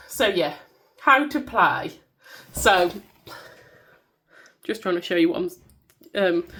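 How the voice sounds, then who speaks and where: Her medium-pitched voice has a fairly bright tone despite a cold that leaves it stuffy and nasal. This Black Country woman casually shows off her handmade products for her small business, poking fun at herself and singing snatches as she goes.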